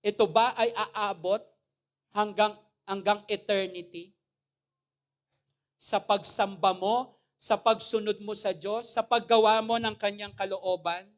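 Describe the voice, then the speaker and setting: A woman pastor preaching a sermon with humor. She often asks the congregation "Amen?" and swings between loud, emphatic phrases and soft asides. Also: mid-range voice, steady tone, unhurried, pauses often.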